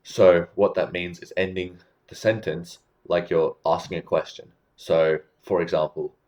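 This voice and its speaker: A man with a very low voice talks straight to camera, giving laid-back advice on communication. He explains things plainly and keeps checking in with the listener as he goes. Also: unhurried. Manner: relaxed, explanatory, checks in with "right?". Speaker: communication coach. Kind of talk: casual advice talk to camera.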